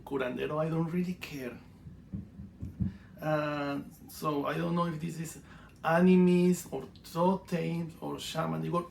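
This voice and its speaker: A man from Venezuela with a Venezuelan Spanish accent, teaching a simple spiritual ritual in halting, broken English with dry humor. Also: mid-range voice, gravelly, slight background noise. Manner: halting, many fillers and restarts, dry humor. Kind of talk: casual teaching monologue.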